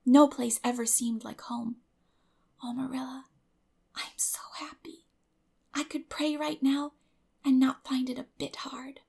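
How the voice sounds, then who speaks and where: A woman's voice: sits high, level tone, a little slow, creaky, long pauses, dark tone, slightly rough, pitched above the performer's own voice, heavily acted. A woman voicing a dreamy, earnest, talkative young orphan girl in a gushing, dramatic audiobook reading. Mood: tender, happy.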